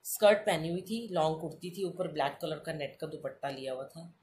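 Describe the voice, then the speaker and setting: Animated middle-aged woman telling a devotional story. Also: low-pitched, brisk. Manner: animated, addresses listeners as sangat ji, acts out dialogue. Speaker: satsang storyteller.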